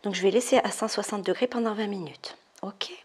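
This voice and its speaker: A woman's voice: medium pitch, fairly quick, a little mellow, a little hiss or hum. A woman hosting a casual cooking video, chatty and self-amused, often dropping her voice to a murmur.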